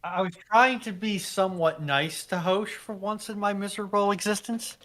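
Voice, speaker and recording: A man's voice: high voice, fairly even intonation, moderate pace, a bit bright. A man from the United States, a panelist trading casual banter in a dry, sardonic way.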